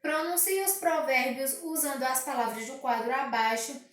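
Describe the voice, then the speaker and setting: High-voiced teacher in an echoey room. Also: female voice, fairly bright tone, far from the mic. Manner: reads exercises aloud, stretches key words slowly, asks rhetorical questions. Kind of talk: recorded grammar lesson for pupils.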